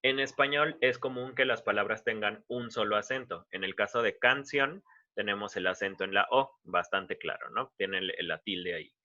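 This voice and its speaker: A man explains a lesson in a relaxed, conversational teaching style, often restarting his sentences. His voice sits a little low but sounds bright and forward. The recording is dull and lo-fi. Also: moderate pace. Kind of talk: informal online lecture.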